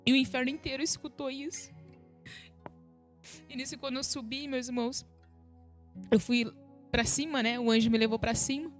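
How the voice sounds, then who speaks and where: A woman's voice: sits high, steady tone, moderate pace, pauses often, soft background music. A woman giving an emotional spiritual testimony on a live stream, often turning to her listeners as brothers and sisters. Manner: emotional retelling, repeats "sabe, meus irmãos". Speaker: guest giving a religious testimony.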